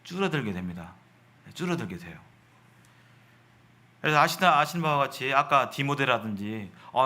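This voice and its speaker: A man's voice: medium pitch, pushed and bright. A man preaching to a congregation in an explanatory way, often repeating phrases and putting rhetorical questions to his listeners. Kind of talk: sermon to a congregation.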